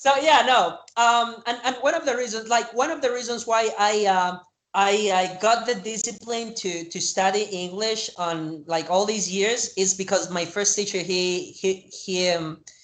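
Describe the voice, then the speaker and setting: The speech comes at a fairly slow pace in an American accent. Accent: American-sounding English. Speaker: English teacher. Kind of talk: casual chat. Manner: halting, repeats words.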